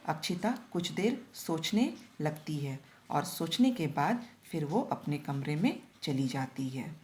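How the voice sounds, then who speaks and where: Slow, patient woman teacher, echoey room. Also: sits low, a little mellow. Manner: slow, explanatory, repeats and explains each line. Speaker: school teacher. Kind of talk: recorded Hindi lesson for children.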